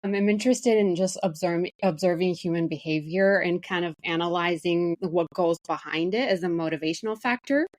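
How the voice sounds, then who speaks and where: A woman's voice: on the low side, brisk, hardly any pauses, a little mellow, no room sound, studio quality. A woman in her forties from Bulgaria, talking casually and thoughtfully as an interview guest, with some fillers and restarts. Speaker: guest, marketing director.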